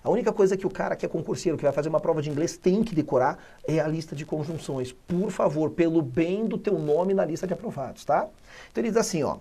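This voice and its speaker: A Brazilian man teaches an exam-prep English lesson in an energetic, chatty way, with a voice on the high side. He reads the English slowly, then rushes through his explanations.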